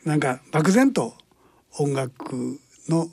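A male radio host with a Kansai accent and a slightly husky, somewhat higher voice. His pitch moves a lot as he prompts his guest. The studio sound is close and dry. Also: big pitch swings, very slow, darkish tone, no echo. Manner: friendly, prompting, frequent backchannels. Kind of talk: casual radio interview.

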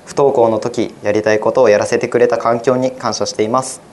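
A teenage boy reads out his own essay for a radio program. His voice sits at an ordinary pitch, and he delivers each sentence in an earnest, measured way. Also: steady tone, a little mellow, slight background noise. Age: teens. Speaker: high school student.

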